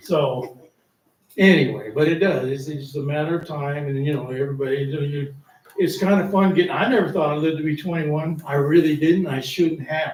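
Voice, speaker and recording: With audible room echo around him, a man talks at a fairly quick pace, his fairly high pitch held in fairly even intonation. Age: 70s. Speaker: spiritual speaker and musician. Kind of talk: talk at a church service. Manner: casual.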